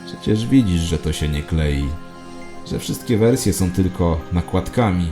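Low guy doing a cryptic hologram shop clerk, ominous and sure of himself, audio drama with faint music. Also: animated, unhurried. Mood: ominous, knowing. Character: knowing hologram phone clerk revealing secret cosmic conspiracy, male. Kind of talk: satirical audio drama monologue.

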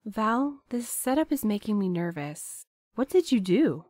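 A woman's voice: mid-range voice, big pitch swings, measured pace, a little mellow, no echo. An actress playing a drowsy, teasing, wary young woman who banters dryly in an audio drama. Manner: dry, bantering.

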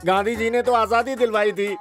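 A man's voice: sits high, steady tone, normal speed, soft background music, natural voice. A man dubbing a drunken father who protests and whines about his liquor. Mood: whining. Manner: whining, protesting.

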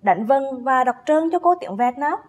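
A woman teacher giving a first-grade phonics lesson, speaking with slow, careful enunciation and drawn-out spelling drills as she calls young pupils to read along. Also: high-pitched, lively intonation, darkish tone. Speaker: primary school teacher.

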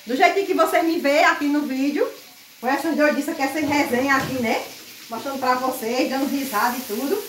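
A woman vlogging casually while she cooks at the stove at home, loud and chatty, laughing often. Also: high-pitched, a little fast, slight background noise. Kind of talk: casual chat while cooking. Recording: echoey kitchen, mic set far off.

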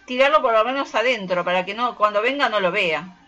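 Young woman playing a bossy Argentine mother, sharp-voiced. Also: medium pitch, a little fast, faint music behind, natural voice. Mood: curt, bossy. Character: domineering scolding mother, middle-aged widow, melodramatic. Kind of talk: amateur radio play acting.

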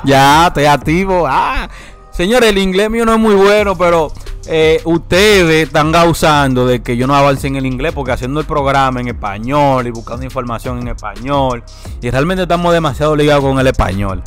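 A man's voice: on the high side, moderate pace, soft background music. A Dominican man hosting a casual barbershop podcast, teasing and joking with his guests. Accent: Dominican Spanish. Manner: joking, teasing, laughs often.

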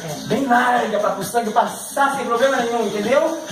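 Music runs steadily behind a middle-aged fitness instructor as he counts and cues an exercise class of older pupils, cheering them on between frequent laughs. His voice is very high-pitched, his pace normal, his accent Brazilian Portuguese. He's recorded by a camera on the far side of an echoey living room.

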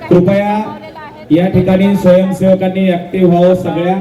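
Man announcing through a loudspeaker. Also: high-pitched, level tone, moderate pace. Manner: firm, pleading crowd instructions. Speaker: protest stage announcer. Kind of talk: public address announcements to a crowd. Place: outdoor protest ground. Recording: echoey loudspeaker heard from far off, loud crowd. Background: large crowd.

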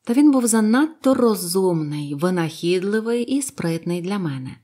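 A woman reading an adventure novel aloud in an even, measured narration. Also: lowish voice. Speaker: audiobook narrator. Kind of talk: scripted narration.

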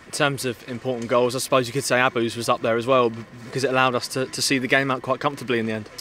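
A man interviewing a football coach after a match, asking brisk, neutral questions outdoors on a pitch at night. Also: level tone, fairly bright tone, slight background noise. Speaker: club media interviewer.

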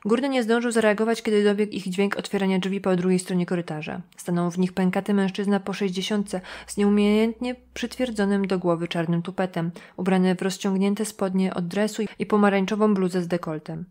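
A woman with a mid-range voice reads an audiobook from a script in an even, measured way.

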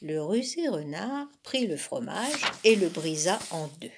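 A woman volunteer reading a children's tale aloud in a slow, expressive storytelling manner. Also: on the low side, a little hiss or hum.

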